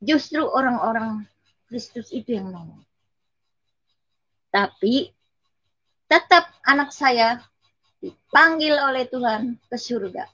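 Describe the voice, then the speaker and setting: Slow, husky Betawi woman giving testimony. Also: on the high side, pushed and bright, dry recording, highs cut off. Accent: Betawi Indonesian. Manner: earnest, addresses the listener respectfully as sir. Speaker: testimony giver. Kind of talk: emotional personal testimony.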